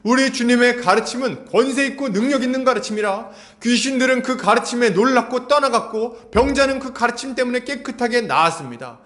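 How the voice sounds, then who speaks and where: High-pitched animated male preacher. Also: a little fast, few pauses. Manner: animated, rhetorical questions to congregation; acts out quotes with sudden shouts. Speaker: pastor. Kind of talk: Sunday sermon.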